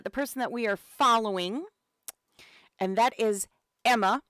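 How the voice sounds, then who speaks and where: A woman's voice: mid-range voice, clean tone, no room sound, clean studio sound. A woman with a cold, hosting a live game stream as community manager, chatting casually with lots of fillers and greeting viewers. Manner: chatty and relaxed, many fillers, greets chat. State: has a cold.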